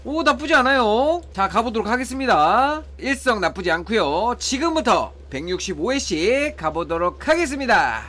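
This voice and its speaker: A man's voice: extremely high pitch, sing-song, normal speed, few pauses, pushed and bright. A man giving casual play-by-play of his mobile game pulls, counting results and pleading for good draws. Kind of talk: casual gameplay commentary.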